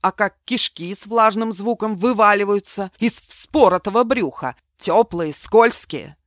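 A woman's voice: on the low side, animated, measured pace, a bit bright, dry recording, clean studio sound. A woman voicing a bitter vengeful ex-con. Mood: furious. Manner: harsh, mocking, raised voice. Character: bitter vengeful man, ex-prisoner.

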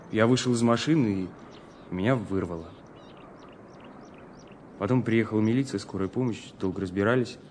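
An actor playing an earnest, troubled young student who speaks haltingly and seriously in an audio drama. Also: male voice, fairly low pitch, a little mellow, slight background noise, close to an everyday voice. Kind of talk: Russian audio drama acting.

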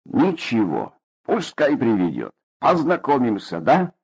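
A man's voice: medium pitch, wildly swooping pitch, measured pace, vocal fry, breathy edge, full character voice. A man doing a raging hot-tempered father. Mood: scornful. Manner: loud, blustering, sarcastic. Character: hot-tempered middle-aged Caucasus father. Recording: dull lo-fi audiobook recording.

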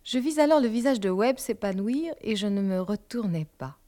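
A woman reads a novel aloud in an expressive yet measured way. Her pitch sits in the middle of the usual range. The delivery is that of a scripted audiobook narration. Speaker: audiobook reader.

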